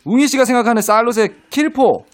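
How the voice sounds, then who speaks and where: A man's voice: very high voice, quick pace. A man hosting a casual radio studio chat, playful and laughing often as he prompts his guests. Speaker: radio host.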